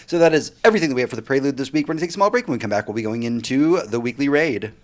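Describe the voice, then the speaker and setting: A man's voice: medium pitch, expressive, rapid-fire. Informal, emphatic male podcast host. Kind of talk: casual pop culture and gaming news talk.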